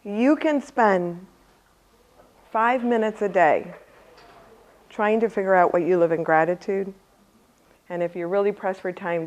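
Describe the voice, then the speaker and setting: A woman's voice: medium pitch, low-quality recording. Casting: woman speaker running a workshop, upbeat, laughs easily, draws the audience in with questions. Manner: lively, laughs often, asks the audience questions. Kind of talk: motivational talk to a live audience.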